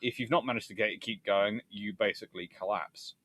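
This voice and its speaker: A man's voice: lowish voice, fairly even intonation, brisk, fairly bright tone. A man hosting a live history chat, answering viewers in a rambling, discursive way like a lecturer thinking aloud.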